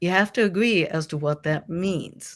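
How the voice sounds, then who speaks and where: A woman with a Japanese accent, fairly low pitch and ordinary pitch variation, in a very clean recording with a silent background. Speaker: sex educator. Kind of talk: interview.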